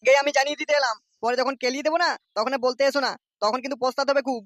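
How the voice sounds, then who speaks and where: An actor plays an angry father, a blustering local tough in a comedy cartoon. He threatens at a furious speed in a high, dry-sounding voice. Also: fairly even intonation, racing, a bit bright, dry recording. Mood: menacing, warning. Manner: threatening, hectoring. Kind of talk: comic cartoon dialogue.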